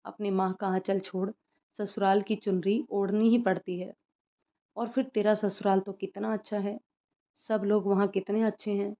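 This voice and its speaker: A woman's voice: mid-range voice, little pitch movement, moderate pace, natural voice. A woman voicing a loving, emotional middle-aged mother in a storybook, in a soothing, tender manner. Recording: slightly muffled lo-fi recording.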